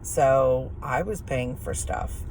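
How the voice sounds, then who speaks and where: A middle-aged woman with a hoarse voice, chatting frankly and rambling while she drives, easily irritated by other drivers. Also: rumbling low, slow pace, a little mellow, low-quality recording. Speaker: vlogger. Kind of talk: casual chat while driving. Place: in a car while driving. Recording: car road noise behind.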